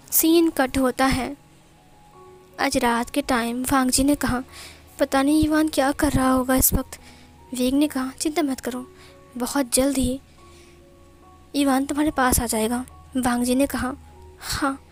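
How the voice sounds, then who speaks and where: A woman's voice: high voice, a little mellow. A woman narrating a fan fiction story, reading all the dialogue in her own voice with little acting. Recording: faint background music.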